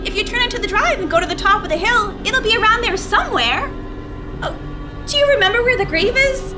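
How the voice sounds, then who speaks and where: Actress as young woman, very high voice, swooping pitch, pleading, scolding, radio drama. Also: lively intonation, brisk. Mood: mildly annoyed. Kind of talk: staged radio play acting. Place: theatre stage, live reading. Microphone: stand microphone. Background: music.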